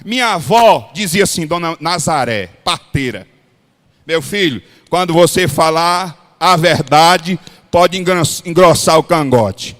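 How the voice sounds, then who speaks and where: Man, Cearense accent, pastor's sermon, high tenor voice, blunt and folksy. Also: animated, a little slow. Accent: Cearense Brazilian Portuguese. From Ceará, Brazil. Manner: blunt, folksy preaching with shouted peaks. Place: large hall at a pastors' retreat. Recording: long hall reverb.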